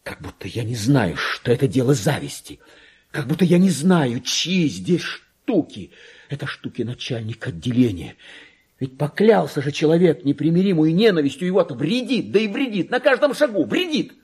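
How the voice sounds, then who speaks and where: An actor playing a lowly, paranoid, resentful male clerk in a dramatic radio monologue, brooding and muttering with theatrical outbursts. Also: sing-song, normal speed, a little mellow, husky, exaggerated voice. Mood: bitter, muttering.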